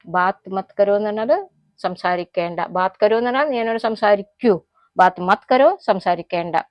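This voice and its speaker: A woman with a Malayali accent, a native Malayalam speaker, teaching everyday Hindi phrases in a casual lesson, explaining them slowly and repeating each example. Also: mid-range voice, dry recording, highs cut off. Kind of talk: casual spoken-language lesson.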